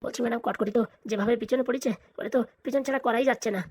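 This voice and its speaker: A performer voicing a fawning, flattering lawyer sidekick in a comedy cartoon, eager and colloquial. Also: mid-range voice, racing, no room sound, studio quality, natural voice. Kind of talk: exaggerated cartoon comedy dialogue.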